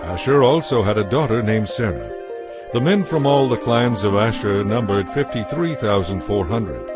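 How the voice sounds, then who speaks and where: A man narrates scripture in a somewhat low voice. His reading is measured and formal, clearly scripted, with music plainly heard behind him. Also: lively intonation.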